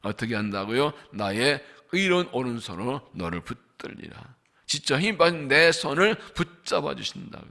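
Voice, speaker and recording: A man preaching as senior pastor at a dawn revival service in a church, emphatic, asking the congregation questions and slowly stressing scripture lines. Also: medium pitch, very animated, vocal fry, pushed and bright. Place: church sanctuary.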